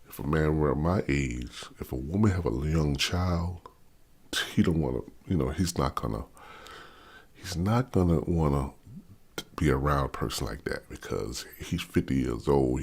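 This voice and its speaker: His voice rumbles low, creaky and slightly rough yet a little mellow. A fifty-something vlogger with a DC-area accent, he gives a blunt, unscripted opinion rant to camera, repeating himself and stammering over restarts.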